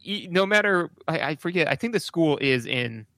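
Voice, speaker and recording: A man's voice: animated, moderate pace, pushed and bright, no echo, clean studio sound. Sarcastic joking man on a podcast. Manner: sarcastic, jokey, acts out lines in a high voice. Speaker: podcast co-host. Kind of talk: casual chat about a video game.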